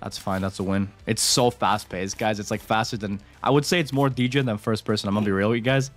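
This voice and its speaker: A man's voice: lowish voice, steady tone, fast talker, soft background music. A man streaming casino games, talking casually and swearing as he comments straight to his viewers. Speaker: gambling streamer. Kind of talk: casual commentary while playing.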